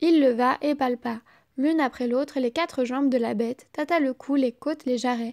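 A high-pitched woman at a moderate pace, with ordinary pitch variation and a dry, close sound with no echo. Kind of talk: literary audiobook narration of a short story, reading aloud. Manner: even, measured storyteller's pace with mild expressive shifts for quoted dialogue.

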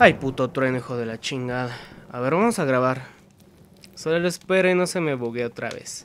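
A man with a Mexican accent at a moderate pace, ordinary pitch variation, and light background noise. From Mexico. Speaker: gaming youtuber. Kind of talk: let's play commentary. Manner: animated. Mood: scared, joking, swearing.

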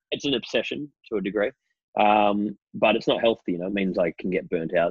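With an Australian accent, a man talks at a fairly quick pace, his voice dry with no echo against a quiet background. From Australia, Victoria. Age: 30s. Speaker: mental health advocate and actor; podcast guest. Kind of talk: casual interview. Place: home room. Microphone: video call.

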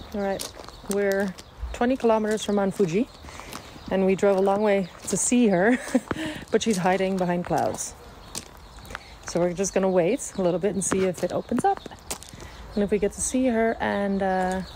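A woman speaks at a moderate pace with long, frequent pauses. The sound is dry with no echo, and background noise is noticeable. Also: ordinary pitch variation. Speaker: travel vlogger. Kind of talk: casual vlog chat. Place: forest. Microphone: lapel.

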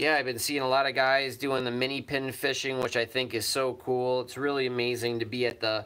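A bright, sharp voice at a moderate pace, in a flat monotone. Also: man. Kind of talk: tutorial. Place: workshop. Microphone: phone near.

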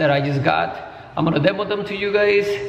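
Audible room echo surrounds a man speaking at a fairly quick pace. His pitch varies in an ordinary way. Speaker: DJ reviewing lights. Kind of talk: casual vlog chat. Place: garage. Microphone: phone near.

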